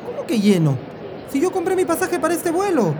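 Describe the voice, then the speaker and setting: A woman's voice: extremely high pitch, big pitch swings, brisk, background noise. A woman playing an indignant airline passenger, protesting in exclamations in an acted public-service spot. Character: indignant airline passenger demanding her rights.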